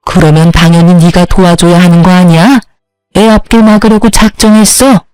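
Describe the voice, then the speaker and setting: A woman's voice: fairly low pitch, steady tone, moderate pace, a little mellow, clean tone, dry recording, lightly acted, rough recording. A woman voicing a domineering older mother-in-law who scolds and gives orders, in a storybook reading. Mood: angry. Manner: commanding, scolding.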